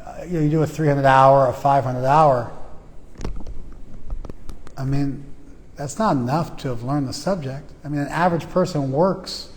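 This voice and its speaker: A man's voice: medium pitch, normal speed, long pauses. Casual lecturing man in a reverberant hall. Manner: casual, conversational, joking asides. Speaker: spiritual teacher. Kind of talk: informal class lecture. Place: class venue with reverb.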